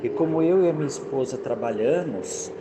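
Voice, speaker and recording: Casting: Brazilian male, mid-pitched, halting conversational delivery, recorded with clearly audible ambient noise. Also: expressive. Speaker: interviewed father. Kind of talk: casual spoken testimony. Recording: clearly noisy background ambience.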